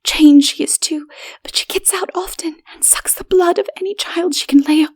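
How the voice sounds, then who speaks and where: Lady reader doing a high whispery nervous posh-minded city woman in a gothic fantasy audiobook, snobby and timid. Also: moderate pace. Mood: hushed fear. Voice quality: breathy, whispery. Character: frightened, haughty city woman, breathless and high. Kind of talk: dramatic audiobook reading.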